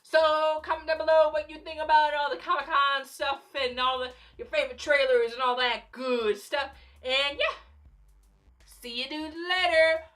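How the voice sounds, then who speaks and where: A young woman vlogging casually about films, rambling with many fillers and a voice going a little hoarse. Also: high-pitched, normal speed, soft background music. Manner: rambling, animated fangirl talk with frequent fillers and laughs. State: losing her voice, slightly hoarse. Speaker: YouTuber. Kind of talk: casual vlog commentary.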